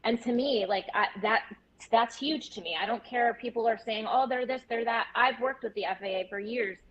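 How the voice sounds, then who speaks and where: A woman's voice: a little high, brisk, fairly bright tone. A woman guest on a live panel, speaking emphatically and repeating her key points. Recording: lo-fi remote call with faint noise.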